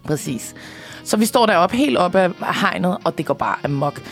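Excited young woman with gravelly fry. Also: on the low side, soft background music. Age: young adult. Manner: excited storytelling, swearing, laughing often. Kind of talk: casual chat.

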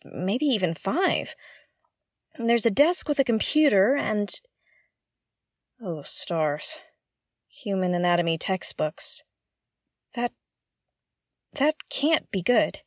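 Woman acting a slow, hesitant, curious space explorer. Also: medium pitch, very animated, dry recording, clean studio sound. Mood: awed, uneasy. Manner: hesitant, exclamatory, muttering to herself. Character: curious, jittery woman explorer alone aboard a derelict spaceship. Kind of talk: audio drama monologue, thinking aloud.

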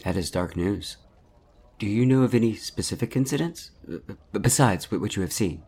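A man voicing a thoughtful, serious samurai who speaks in a measured way. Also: fairly low pitch, warm tone, slightly rough.

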